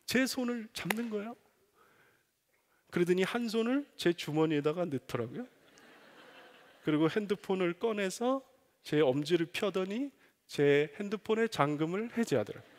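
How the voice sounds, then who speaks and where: Brief: male preacher, high and expressive, animated sermon storytelling in an echoing sanctuary. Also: moderate pace, long pauses. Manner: animated storytelling, acting out voices. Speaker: pastor. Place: church sanctuary. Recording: long reverb of a church hall.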